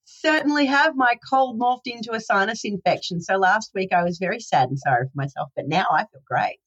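A woman's voice: medium pitch, lively intonation, fairly quick, fairly bright tone, slightly rough, lo-fi sound. A woman co-hosting a podcast, chatting in a candid, upbeat way. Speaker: podcast co-host. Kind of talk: casual conversational podcast chat.

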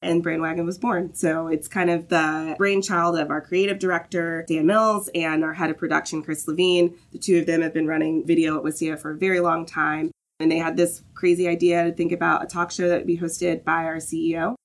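A woman's voice: low-pitched, flat delivery, brisk. A woman from the Southern US, a guest on a podcast interview, explaining her work fluently and often checking in with "right?". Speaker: guest, marketing lead.

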